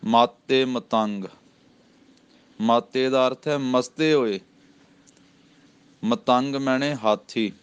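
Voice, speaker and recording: A man with a Punjabi accent teaching scripture recitation, chanting each phrase slowly and then explaining the pronunciation in plain speech. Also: medium pitch, smooth. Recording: slightly dull, lo-fi recording.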